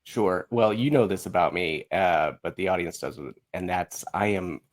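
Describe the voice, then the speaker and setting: Here a podcast guest with a low-sitting male voice talks at a moderate pace. His stories come across as candid and casual, and he is blunt and self-mocking, performing any quoted lines.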